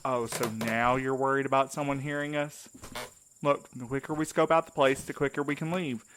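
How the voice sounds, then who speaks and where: A wary male courier acted by a man in an audio drama, speaking in a middle-pitched, wry and informal voice. He is sarcastic and naturalistic, with clear night-time insect noise behind him. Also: fairly even intonation, moderate pace, close to an everyday voice. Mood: uneasy, stubborn.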